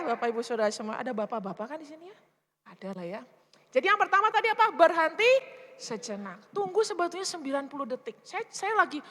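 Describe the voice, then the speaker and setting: A middle-aged woman, a speaker and counselor, gives a casual, chatty sermon and often asks the congregation questions. Her voice is very high, bright and forceful. She's in a church hall, with reverberant sound.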